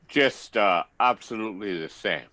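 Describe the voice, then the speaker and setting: A man playing a pompous, easily wounded vampire ex-lover, formal and halting, in a comedy table read. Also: fairly low pitch, sharp tone, dry recording. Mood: flustered.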